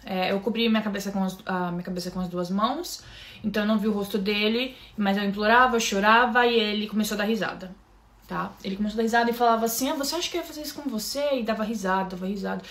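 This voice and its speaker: A Brazilian woman with a Brazilian Portuguese accent recounts her own story to viewers. Her voice has a gravelly, fry-edged texture at a middle pitch. She speaks softly, haltingly, and keeps calling out to her listeners. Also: fairly even intonation. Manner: soft, halting, often restarting, keeps addressing listeners. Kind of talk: personal storytelling to camera.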